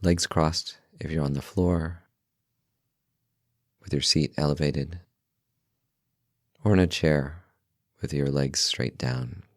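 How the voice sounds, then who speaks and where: A man leading a guided meditation in a calm, gentle, unhurried manner, leaving long pauses between short phrases. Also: a bass voice, no echo, studio quality. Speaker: meditation guide, podcast host.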